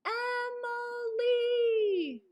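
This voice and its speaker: A woman's voice: very high-pitched, extremely slow, darkish tone, highs cut off, voice pushed up, exaggerated voice. A woman voicing a worried young boy rabbit, an anxious big brother who exclaims and calls out, in a children's storybook read-aloud. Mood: panicked, worried.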